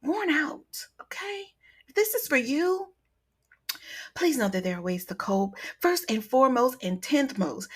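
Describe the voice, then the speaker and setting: A woman in her thirties hosting her own podcast, telling stories in a chatty, animated way with plenty of fillers. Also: fairly high pitch. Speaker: podcast host. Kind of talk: casual solo podcast talk.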